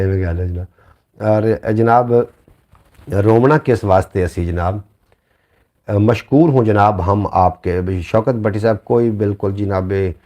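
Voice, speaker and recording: A man's voice: lowish voice, darkish tone. A man with a Punjabi accent hosting a live stream. He chats casually and recites couplets in a rising, sing-song cadence. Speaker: livestream host reading viewer comments and poetry.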